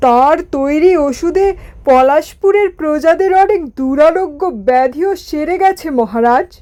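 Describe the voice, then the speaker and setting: A woman voicing an eager, fawning, food-loving royal minister in a cartoon fairy tale, with drawn-out, deferential phrasing. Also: high-pitched, darkish tone. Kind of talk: Bengali animated fairy-tale dialogue.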